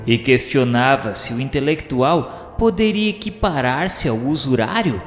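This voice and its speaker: A man with a Brazilian accent giving a solemn, formal, measured dramatic narration, like a scripted radio novela. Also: medium pitch, lively intonation. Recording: echoey, long reverb, music behind. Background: music.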